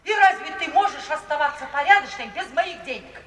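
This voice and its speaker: A worldly madam and mother with a high, bright, theatrical voice. She coaxes and pleads emphatically, middle-aged and defensive. It is an old radio play recording, echoey and distant. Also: lively intonation, a little fast, slight background noise. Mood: agitated, indignant. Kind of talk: 1950s Russian radio theatre acting.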